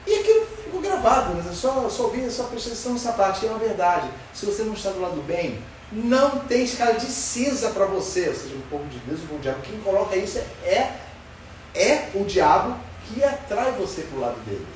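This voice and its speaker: A man leads a Bible study and keeps putting questions to the class in a high, lively voice. He sounds far from the mic, in a very echoey room with faint background noise. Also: fairly quick. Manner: asks the class questions, animated and emphatic. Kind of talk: Sunday school Bible lesson.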